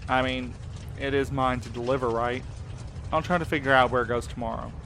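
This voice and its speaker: A wary male courier acted by a man in an audio drama, speaking in a middle-pitched, wry and informal voice. He is sarcastic and naturalistic, with clear night-time insect noise behind him. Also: steady tone, fairly quick, fairly bright tone, natural voice.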